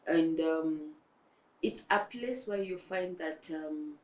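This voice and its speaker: A woman's voice: sits low, slow, a little mellow. A woman ENT surgeon, explaining throat health in a TV interview with examples. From Kenya.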